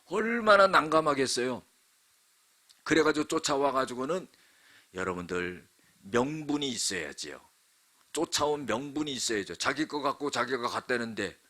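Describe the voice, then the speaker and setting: A man's voice: medium pitch, animated, moderate pace, pushed and bright. A male pastor preaching a sermon, telling the story dramatically with frequent asides to the congregation. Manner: dramatic storytelling, acts out quotes.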